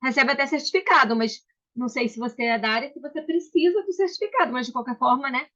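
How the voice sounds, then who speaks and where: Brazilian lady w rio hosting a book club call, kinda high voice, bit muffled audio. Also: fast talker. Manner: chatty, warm welcomes, frequent restarts. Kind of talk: casual video call chat. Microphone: video call. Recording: slightly dull video call audio.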